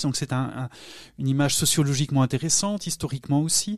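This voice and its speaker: In a very clean recording with a silent background and a dry, close sound with no echo, a man uses a normal speaking voice with fairly even intonation. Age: 50s. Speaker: journalist. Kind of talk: radio panel discussion.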